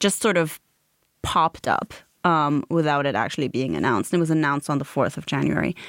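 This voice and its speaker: A woman with a very deep, low pitch and vocal fry, ordinary pitch variation, a fairly quick pace, and a dry, close sound with no echo. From Germany, mid-sized town. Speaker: writer and performer. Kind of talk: interview conversation.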